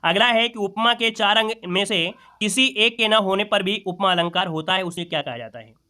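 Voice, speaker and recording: High bright-voiced man solving exam questions. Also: moderate pace, clear, resonant tone. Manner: repeats each question and answer, asks rhetorical questions; addresses listeners as friends. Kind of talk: exam-prep lesson.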